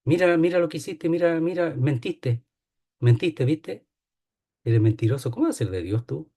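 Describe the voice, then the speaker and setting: A man's voice: on the high side, expressive, moderate pace, mellow. Man putting on a taunting sly devil. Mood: accusing. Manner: taunting, mocking, insistent. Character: sly accusing male devil, taunting tempter.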